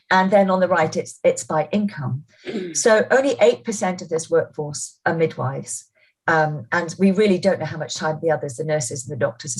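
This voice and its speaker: A woman's voice: on the low side, slightly rough, poor audio. A woman presenting slides as a health expert, speaking emphatically and with the conviction of an advocate. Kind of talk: slide presentation to midwives and students.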